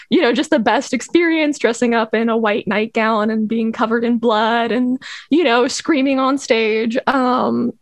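Young woman guest, kinda high voice, chatty and rambly, dry close mic. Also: no room sound. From Los Angeles, USA. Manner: chatty, many fillers and restarts. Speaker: poet guest. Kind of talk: casual interview answers.

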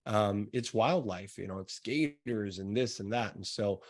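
A man's voice: on the low side, measured pace. A man with an American accent hosting a podcast, interviewing in a casual, rambling way with repeated words. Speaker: podcast host.

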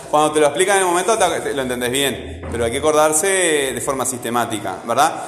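A man's voice: on the high side, a bit bright, a little hiss or hum. A man teaching a grammar lesson, asking his students questions and often answering them himself. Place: classroom. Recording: echoey room with long reverb, faint ambience.

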